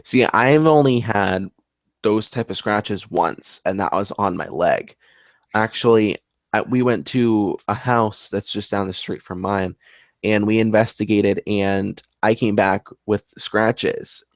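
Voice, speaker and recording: A man's voice: lowish voice, takes it slowly, dry recording, clean studio sound. A man who works as a paranormal investigator, talking in casual conversation in an earnest, rambling way.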